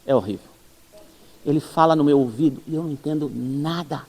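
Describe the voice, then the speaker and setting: High-voiced Brazilian-accented pastor telling stories. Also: male voice, a little fast, in a large hall. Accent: Brazilian Portuguese. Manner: animated, self-mocking storyteller who acts out dialogue. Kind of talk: sermon with humorous anecdotes. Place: church service.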